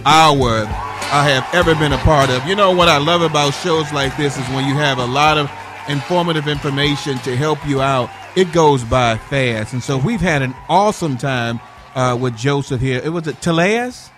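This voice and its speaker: A man's voice: fairly high pitch, music in the background. A man from Chicago hosting a radio talk show, speaking with enthusiastic, rambling energy. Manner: enthusiastic, repetitive, fast bursts.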